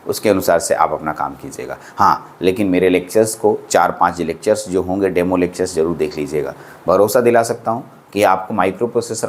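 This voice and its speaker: A man's voice: sits low, darkish tone. A man lecturing polytechnic students on microcontrollers in a chatty, reassuring way, repeating phrases and often saying "theek hai". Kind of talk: classroom lecture in casual Hindi with English terms.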